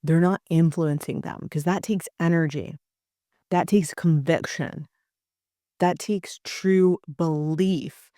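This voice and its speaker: A woman speaks into a close podcast mic with a smooth, resonant voice and a very dry sound. She delivers a motivational talk as an organizational psychologist, pressing her points with emphasis. She builds them in repeated lists. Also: deep voice, fairly even intonation, slow pace, warm tone, no room sound. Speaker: organizational psychologist and career coach.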